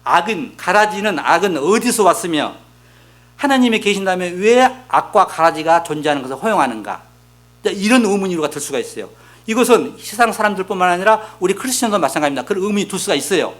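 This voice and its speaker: A man's voice: high-pitched, lively intonation, quick pace, a bit bright. A middle-aged male pastor preaching a sermon, explaining with rhetorical questions and reading scripture aloud. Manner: reads scripture aloud, voicing the prophets' complaints. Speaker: senior pastor.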